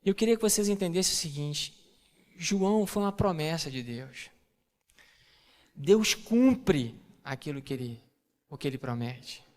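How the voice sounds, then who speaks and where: A man giving a sermon testimony to a church audience, telling a family story in an animated way and acting out the dialogue. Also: a little high, unhurried, long pauses.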